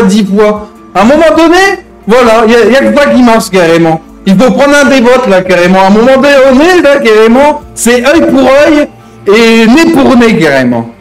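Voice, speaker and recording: Man voicing vengeful hostage-taker, high pitch, crude ranting, repetitive verbal tics, game roleplay. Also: low-quality recording. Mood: indignant. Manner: verbal tic-laden, crude, ranting, swearing. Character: aggrieved, threatening male hostage-taker seeking vengeance for his cousin. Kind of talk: improvised roleplay in an online game.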